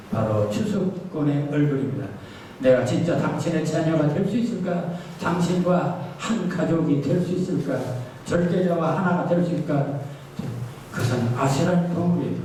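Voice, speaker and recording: A man's voice: fairly high pitch, dark tone. Man lecturing in a very echoey room. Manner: didactic, asks and answers own questions. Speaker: literature lecturer. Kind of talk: lecture on poetry with recited lines. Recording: very echoey room, distant mic, noisy.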